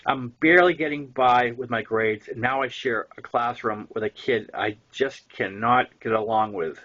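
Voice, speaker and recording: An older man with a Boston accent and a husky voice, reading his own first-person story as an audiobook narration. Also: medium pitch, normal speed, fairly bright tone, lo-fi sound.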